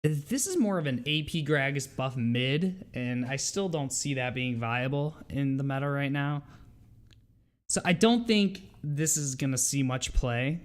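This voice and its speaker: A man's voice: mid-range voice, lively intonation, unhurried. A man with a congested, stuffy voice from a cold, talking informally and a little hesitantly as he hosts a casual video game patch commentary. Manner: informal, hesitant, thinking aloud. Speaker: video game channel host.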